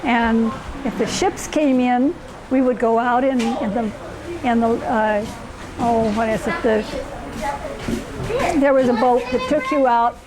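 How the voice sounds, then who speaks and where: A woman's voice: on the high side, fairly even intonation, takes it slowly, long pauses, noisy background. An older woman from Hawaii, reminiscing fondly and rambling a little as she searches for words. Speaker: interviewee. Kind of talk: personal reminiscence.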